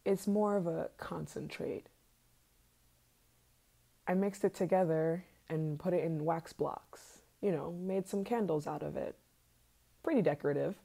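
A woman acts out an obsessive yandere scientist in an ASMR role-play. She speaks low and slowly, in a soft, mellow tone. Her manner is sweet but eerily possessive and sinister, with hesitant pauses. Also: creaky, heavily acted. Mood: smug, sinister.

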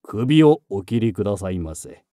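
A man voicing a captured warrior who speaks calmly and formally, without remorse. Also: fairly low pitch, normal speed, no room sound, studio quality, pitched below the performer's own voice. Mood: resolute. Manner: calm formal and unrepentant. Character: resolute captured male warrior monk.

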